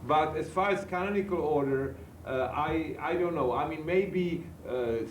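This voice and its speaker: A man's voice: a little high, moderate pace. A man with a Czech accent, a native Czech speaker, answering in a workshop discussion, hesitant. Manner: hesitant, self-deprecating. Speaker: workshop participant. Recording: echoey room, distant mic, faint noise.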